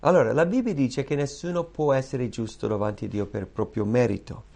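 Gravelly impassioned male preacher. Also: fairly quick. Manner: impassioned, swinging from loud high outbursts to hushed low tones; repeated rhetorical questions. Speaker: pastor. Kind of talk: sermon.

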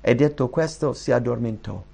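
A man preaching a sermon and reading scripture aloud, swinging between loud, high emphatic bursts and quiet, low asides. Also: moderate pace, creaky. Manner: reads scripture aloud to the congregation.

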